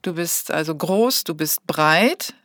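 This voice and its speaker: Female podcast host, slightly low voice, dry close recording, conversational interviewing. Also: animated, slow, fairly bright tone, dry recording. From Hamburg, Germany. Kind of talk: casual interview chat.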